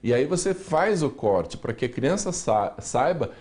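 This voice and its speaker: A man explaining emotional control for children as a regular columnist on a TV news program, with a calm, explanatory manner and a Brazilian Portuguese accent. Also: mid-range voice, measured pace. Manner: calm explanatory, acts out parents' lines. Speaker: weekly columnist on parenting.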